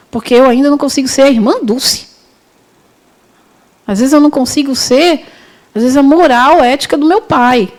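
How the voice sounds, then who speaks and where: High, mellow-voiced woman teaching. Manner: conversational, with frequent restarts and self-corrections. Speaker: university lecturer teaching a spiritist course. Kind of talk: storytelling lecture.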